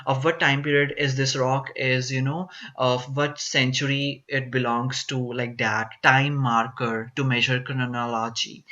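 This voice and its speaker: Bright-voiced tutor talking through test answers. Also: mid-range voice, dull audio. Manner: repetitive, paraphrases text with fillers. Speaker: teacher. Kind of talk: explaining a reading exam passage.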